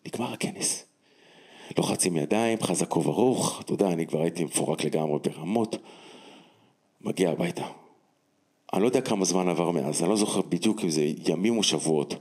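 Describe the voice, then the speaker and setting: Deep, husky-voiced man telling his story. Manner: animated, emphatic retelling with acted-out dialogue. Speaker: guest telling a personal story. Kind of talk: personal testimony storytelling.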